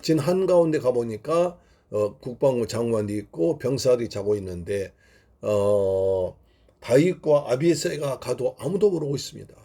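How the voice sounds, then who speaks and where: A man's voice: mid-range voice, lively intonation, normal speed, mellow. A man preaching a sermon at family worship as the pastor. He retells scripture as a vivid story and acts out the quotes.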